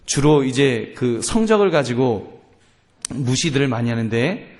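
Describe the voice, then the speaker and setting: A man's voice: mid-range voice, a little slow. A male pastor preaching to his congregation, often asking them questions and acting out parents and children arguing. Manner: addresses congregation directly, acts out family quarrels in lively voices. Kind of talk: sermon.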